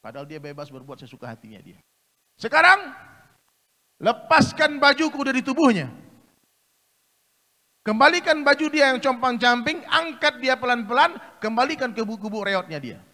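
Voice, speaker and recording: A man playing a great old emperor who gives booming, stern commands. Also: sing-song, moderate pace, long pauses, pushed and bright, full character voice. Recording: echoey large hall.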